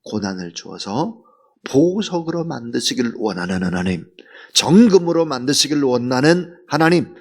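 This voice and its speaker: A man preaching an early-morning sermon as pastor, earnest and full of rhetorical questions, swinging from loud emphasis to near whisper. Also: mid-range voice, big pitch swings, moderate pace, husky.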